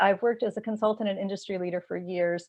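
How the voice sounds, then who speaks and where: The speaker has a Canadian accent. Music plays in the background. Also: woman. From Canada. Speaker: business coach. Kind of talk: presentation. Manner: fast; animated.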